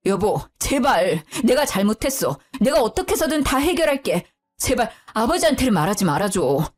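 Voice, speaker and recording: A guilty young husband in a storybook reading, drawing out slow, desperate pleas, voiced by a woman narrator. He sounds cornered and cowardly. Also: a little high, very animated, soft background music. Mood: desperate pleading.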